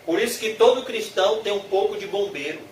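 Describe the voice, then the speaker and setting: Man, Brazilian accent, emphatic sermon, echoey hall, faint room noise. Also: sits high. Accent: Brazilian Portuguese. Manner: emphatic, drawn-out slow phrases rising in passion. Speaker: preacher. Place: church hall. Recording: echoey hall, mic from far off.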